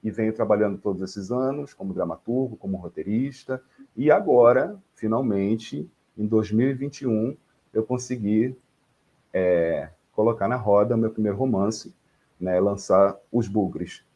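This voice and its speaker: Low-voiced, unhurried man. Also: warm tone, breathy edge. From Rio de Janeiro, Brazil. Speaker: author on a panel. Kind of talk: self-introduction on a panel. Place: home study.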